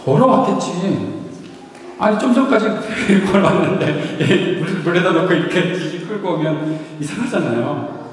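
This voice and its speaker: A man gives a sermon in a church sanctuary, his voice sitting a little high. He keeps it playful and laughs easily while he asks the congregation questions. He sounds distant from the mic, with a long ringing hall reverb and a faint hiss. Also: lively intonation, moderate pace. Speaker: pastor. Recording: echoey hall from far off.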